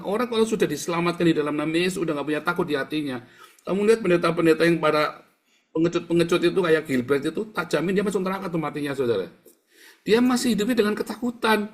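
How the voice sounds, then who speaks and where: A man preaching a fiery sermon, addressing listeners directly and bluntly. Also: fairly high pitch. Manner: forceful preaching, keeps addressing listeners as brothers. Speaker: pastor.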